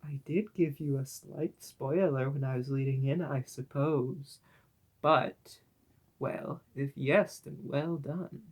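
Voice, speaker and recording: Man, mock-spooky creepypasta reader, very slow, gravelly, sarcastic asides. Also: fairly high pitch, steady tone, a little mellow. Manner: sarcastic asides mid-reading; deliberately drawn-out spooky delivery. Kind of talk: mock-spooky comedic story reading.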